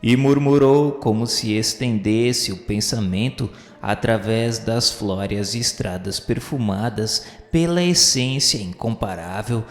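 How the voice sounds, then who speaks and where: Male radio-novel narrator, solemn and measured, mid pitch, echoey reverberant room, faint music bed. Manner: measured, solemn literary reading.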